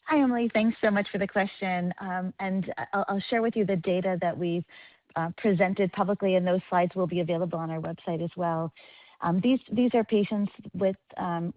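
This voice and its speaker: Female company executive, slightly low voice, dry close sound, measured earnings-call delivery with pauses. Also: no room sound, narrow, tinny audio.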